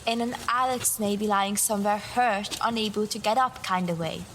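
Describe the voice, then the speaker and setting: A woman's voice: mid-range voice, steady tone, moderate pace, slight background noise, natural voice, rough recording. An actress playing a dry, teasing woman snooping around in an audio drama.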